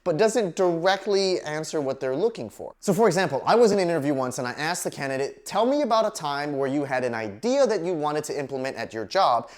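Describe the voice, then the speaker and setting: Lively, low-pitched woman giving advice. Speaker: career advice host, recruiter. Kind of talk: scripted instructional video talk to camera.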